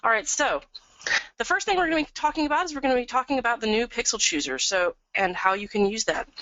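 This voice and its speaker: A woman presenting a live software tutorial webinar, upbeat and chatty, a bit sniffly from a cold. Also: fairly high pitch, animated, fast. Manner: upbeat, chatty, lots of "we're gonna". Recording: dull, dry lo-fi webinar audio.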